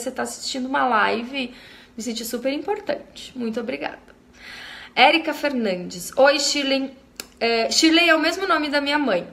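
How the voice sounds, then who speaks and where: A woman's voice: fairly high pitch, creaky, fairly bright tone. A Brazilian woman in her thirties, hosting a casual live stream, reading viewer comments aloud and answering them in a chatty way. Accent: Brazilian Portuguese.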